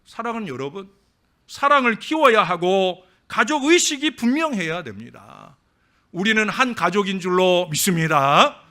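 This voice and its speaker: A male pastor preaching a sermon in a church, swinging between loud emphatic lines and quiet asides, and telling anecdotes with acted-out voices. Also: high voice. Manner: tells jokes as anecdotes, acting out the speakers. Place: church sanctuary.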